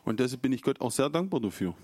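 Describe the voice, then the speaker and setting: A man's voice: mid-range voice, lively intonation, fast talker, darkish tone. A man preaching an informal sermon, chatty and storytelling, acting out quotes along the way.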